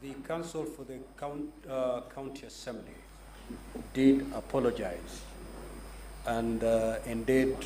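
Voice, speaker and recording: Male presiding speaker, Kenyan accent, unhurried and halting, formal authority, faint background noise. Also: medium pitch, dark tone. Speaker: speaker presiding over a senate hearing. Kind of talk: formal procedural announcements.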